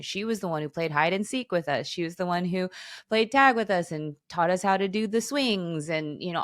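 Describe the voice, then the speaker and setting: A woman's voice: deep voice, dry recording, studio quality. A woman in her forties with an American accent and Korean as her first language, telling her life story casually as a podcast guest, often chuckling as she talks. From suburbs of Chicago, United States. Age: 40s. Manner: chuckles often while talking. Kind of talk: casual autobiographical interview talk.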